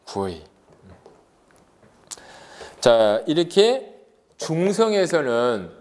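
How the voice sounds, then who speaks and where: Guy lecturing exam prep class, bouncy up and down voice, stretches out example sounds. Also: on the high side. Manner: lively, rhetorical questions, drawn-out vowel examples.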